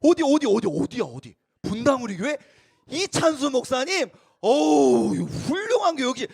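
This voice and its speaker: A man's voice: very high voice, big pitch swings, moderate pace, creaky, darkish tone, slightly rough, exaggerated voice. A male youth pastor voicing a gushing older church deaconess who dotes on the teenagers. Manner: fussing, doting, exclaiming.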